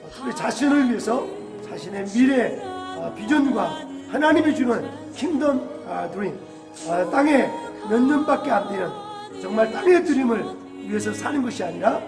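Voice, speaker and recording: A man, a pastor, giving a church announcement and prayer over a PA system in a preachy way with frequent drawn-out "ah" fillers. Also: very high voice, lively intonation, gravelly. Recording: echoey church hall with music.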